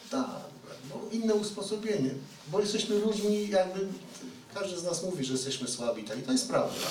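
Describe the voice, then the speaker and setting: Male preacher, chatty, asks the listeners questions, faint background hum. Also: mid-range voice. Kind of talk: conversational sermon. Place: church hall. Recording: roomy hall, mic at a distance.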